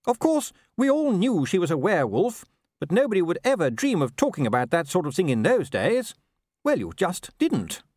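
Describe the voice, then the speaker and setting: A man voicing a high-pitched genteel society wife. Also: no echo, studio quality. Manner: chatty, gushing, upper-class turns of phrase. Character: genteel aristocratic middle-aged wife, breezy, fondly reassuring. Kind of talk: audiobook character voice.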